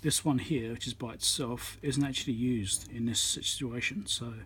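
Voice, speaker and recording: A man's voice: medium pitch, fairly even intonation, fairly bright tone. Man muttering through workbench demo, faint noise. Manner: halting, muttering to himself while concentrating on fiddly work. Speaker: electronics repairer, channel host. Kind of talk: casual hands-on demonstration commentary while working. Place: indoor electronics workbench. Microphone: phone on a tripod above the work. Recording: noisy room recording on a phone.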